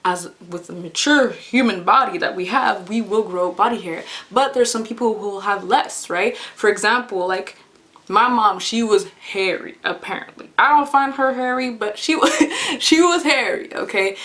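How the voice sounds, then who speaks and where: A young woman talks straight to her camera in a relaxed vlog. She is earnest and chatty, with a voice of medium pitch, and she laughs lightly and circles back over her own phrases as she thinks aloud. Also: moderate pace. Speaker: vlogger. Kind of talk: casual talk to camera.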